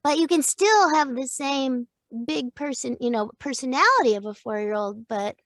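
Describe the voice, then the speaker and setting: A middle-aged woman voice actor, a guest on a podcast, chatting casually in a playful, expressive way, laughing often and restarting her thoughts as she goes. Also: high voice, moderate pace, dry recording. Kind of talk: casual interview chat.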